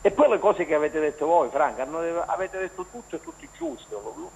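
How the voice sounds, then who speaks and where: A man's voice: high voice, sing-song, a little fast, vocal fry. A male journalist heard over the phone, giving casual sports commentary in a rambling way with many restarts and fillers. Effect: heard over a phone line. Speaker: journalist phoning in to a TV sports show. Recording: echoey hissing phone line.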